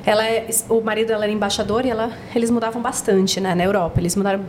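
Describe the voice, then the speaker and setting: A Brazilian woman chatting as a podcast guest, telling stories in a lively way and acting out what people said. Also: medium pitch, very fast, slight background noise. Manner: animated storyteller, acts out quotes. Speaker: podcast guest, project founder. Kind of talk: casual podcast chat.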